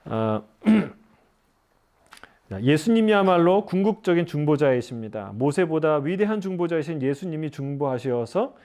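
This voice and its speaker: A man's voice: fairly high pitch, lively intonation, unhurried, a little mellow. A middle-aged man preaching a sermon in church, talking conversationally, asking the congregation questions and laughing at his own stories. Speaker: pastor. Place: church sanctuary.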